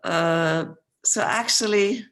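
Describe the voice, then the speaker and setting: A woman professor giving an academic research lecture over a video call in an explanatory, steady way, losing her voice and coughing now and then. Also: medium pitch, takes it slowly. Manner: explanatory, steady, apologetic when interrupted.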